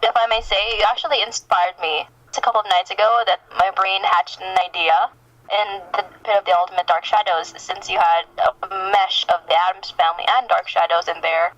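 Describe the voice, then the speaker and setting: Earnest woman explaining in halting phrases. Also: medium pitch, steady tone, a bit bright, no room sound, lo-fi sound. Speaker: podcast guest, fan fiction writer. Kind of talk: casual interview chat.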